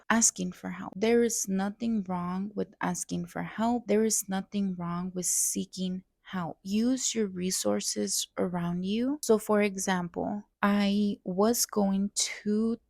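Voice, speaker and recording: A woman's voice: mid-range voice, creaky, darkish tone, no echo, clean studio sound. A young woman vlogger talking heartfelt to her viewers in a casual chat, with a stutter that repeats sounds.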